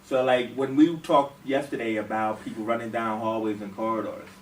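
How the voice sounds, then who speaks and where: A man's voice: lowish voice, steady tone, moderate pace. Man leading a workshop, echoey room. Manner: explanatory, checks for agreement. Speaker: workshop leader. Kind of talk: informal group feedback discussion. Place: echoey room, recorded from a distance. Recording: roomy, distant mic, faint noise.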